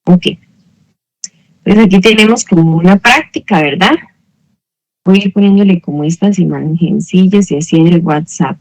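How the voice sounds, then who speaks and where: A woman's voice: lowish voice, moderate pace, pauses often, no room sound, rough recording. A woman teaching an English lesson online, explaining patiently, checking in with her students and correcting herself as she goes. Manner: corrects herself mid-sentence.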